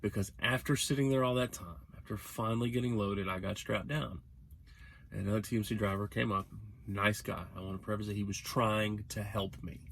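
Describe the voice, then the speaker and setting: A man's voice: lowish voice, steady tone, brisk, vocal fry, a bit bright, a little hiss or hum. A man talking casually as a truck-driving vlogger, rambling and correcting himself as he gives earnest advice. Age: young adult. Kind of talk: casual vlog monologue.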